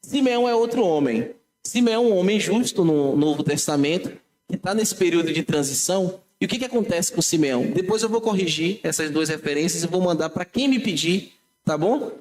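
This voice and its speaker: Man, Brazilian Portuguese accent, pastor, slightly higher voice, chatty Bible teaching, church. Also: animated, fairly quick, darkish tone. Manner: conversational, self-correcting, addresses congregation directly. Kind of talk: teaching Bible class sermon.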